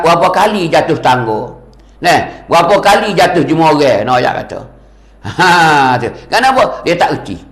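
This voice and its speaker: A man giving a sermon lecture as a religious teacher, animated and repetitive, his voice rising and falling for emphasis. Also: fairly high pitch, reverberant.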